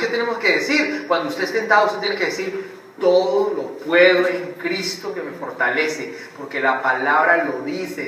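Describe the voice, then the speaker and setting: A man preaching a sermon in an animated way, mocking the way other preachers act out their impressions. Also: sits high. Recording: echoey room heard from a distance, faint background noise.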